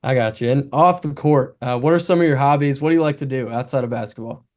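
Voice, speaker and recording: A man's voice: medium pitch, fast, a little mellow. A man hosting a sports podcast, asking a young player curious follow-up questions. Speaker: podcast host. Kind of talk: interview questions.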